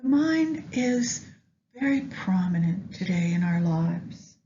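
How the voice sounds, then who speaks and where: A woman leading a guided meditation with astrology, speaking gently and in measured short phrases with long pauses. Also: lowish voice, very animated. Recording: dull lo-fi sound, faint background noise.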